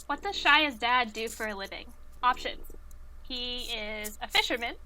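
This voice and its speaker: A woman's voice: a little high, animated, unhurried, sharp tone, a little hiss or hum, poor audio. A woman hosting a casual trivia quiz, reading out questions and multiple-choice options in a conversational way.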